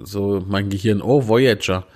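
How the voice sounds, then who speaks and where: A man with a fairly low voice reads out one pun after another in a dry, plain way. He breaks off now and then for self-mocking asides. He is recorded indoors on a handheld recorder set on a small tabletop tripod. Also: unhurried, a little mellow. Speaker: podcaster reading out puns. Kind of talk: casual joke reading.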